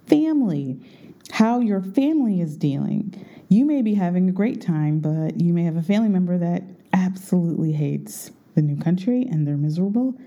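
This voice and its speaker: A woman's voice: lowish voice, mellow. A jet-lagged woman chatting casually and rambling to her viewers from her bedroom while recording under a blanket, which muffles her voice. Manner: chatty, rambling, self-correcting. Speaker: vlogger.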